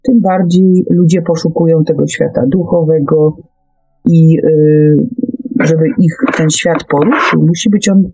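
A woman speaking hesitantly and haltingly in an unscripted radio discussion. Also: low-pitched, fairly even intonation, mellow, lo-fi sound, soft background music. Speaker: radio talk show host.

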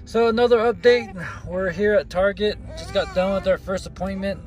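A man's voice: high voice, normal speed. Jokey man with a Native American reservation accent. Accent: Native American (Navajo reservation). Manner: jokey, playful. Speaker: family vlogger. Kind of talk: casual vlog chat to camera. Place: inside a parked pickup truck. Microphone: phone at arm's length.

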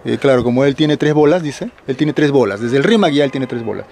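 Fast-talking Peruvian man, night vlog. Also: mid-range voice, lively intonation, creaky, a little mellow. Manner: hesitant, repeats phrases. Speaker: vlogger. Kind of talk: casual night exploration vlog. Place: outdoors on a hillside cemetery at night. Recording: noisy outdoor night camera recording.

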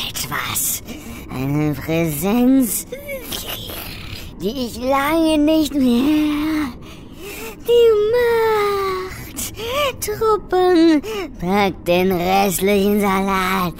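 A woman playing a pompous killer space slug commander in a comic sci-fi audio drama, declaiming in drawn-out phrases. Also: high-pitched, noisy background, full character voice. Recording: music behind the voice.

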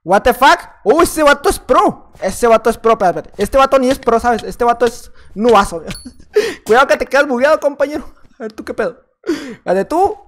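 A man's voice: very high-pitched, expressive, fairly quick. A young man with a Mexican accent gives playful, chatty gameplay commentary, repeating his phrases as he plays. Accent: Mexican Spanish. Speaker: gaming YouTuber.

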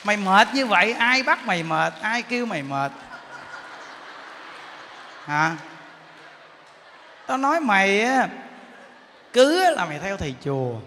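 A man's voice: sits high, sing-song, measured pace, pauses often, in a large hall, background noise, pitched above the performer's own voice, full character voice. A man playing a nagging wife who scolds her husband with sarcastic questions. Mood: scolding.

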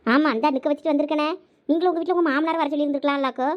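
Woman, Thoothukudi Tamil accent, very fast, high voice, bossy, comedy skit. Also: fairly even intonation, highs cut off. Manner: bossy, scolding.

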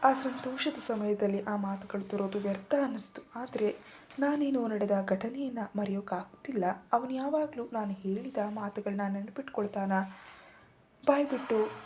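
A woman's voice: mid-range voice, moderate pace, mellow, a little hiss or hum. A woman narrating a first-person romantic story at an emotional storytelling pace.

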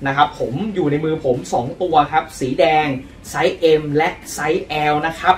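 A man's voice: on the high side, moderate pace, reverberant, recorded from a distance, slight background noise. Chatty man hosting a football vlog. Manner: chatty, lively storytelling. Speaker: football channel host. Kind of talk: casual football news vlog.

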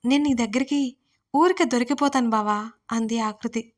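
Woman narrator doing a playful young woman, fairly high, teasing banter, romance audio story. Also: normal speed, lightly acted. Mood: surprised.

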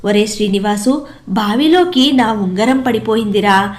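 A woman's voice: mid-range voice, measured pace, a little mellow, lightly acted. A woman voicing a stingy, fussy rich village man who scolds and calls out impatiently in a storybook tale. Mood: distressed.

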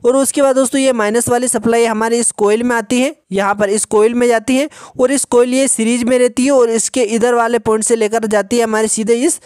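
A man patiently explaining a phone repair step by step in a tutorial voice-over, often pausing to check in with the viewer. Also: very high voice, fairly even intonation, darkish tone, smooth, no room sound, studio quality. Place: voice-over over a drawn circuit diagram.

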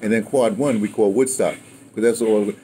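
A man in his sixties with an American accent and a fairly low, warm-toned voice. He tells stories in a casual, digressive way, looping back and checking that he is followed. He is recorded outdoors with some ambient noise behind him. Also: moderate pace, low-quality recording. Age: 60s. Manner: animated, rambling, digressive, often ending phrases with "right?" and "you know". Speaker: guest recounting his radio history. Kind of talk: casual conversational storytelling. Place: outdoors, by a house with a wooden awning.

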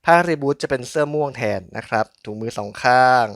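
A man hosts a toy unboxing in a medium-pitched voice. He talks casually and chattily, keeping his phrasing polite and informal. The sound is close and dry, with little room echo. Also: quick pace. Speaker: toy unboxing channel host.

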